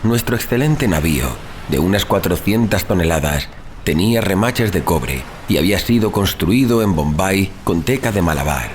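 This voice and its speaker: An actor playing a grave, rational, educated traveler telling his story in solemn, measured, formal literary narration for an audio drama. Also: sits low, animated, slight background noise. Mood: solemn, reflective. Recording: music playing behind the voice. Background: background music.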